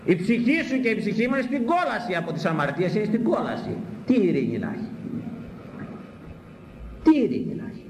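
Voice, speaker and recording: A man preaching a sermon, repeating words for emphasis and swinging between high exclamations and low, grave phrases. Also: sing-song, few pauses, a crowd in the background. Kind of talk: sermon on a Bible passage. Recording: echoey hall, faint background noise.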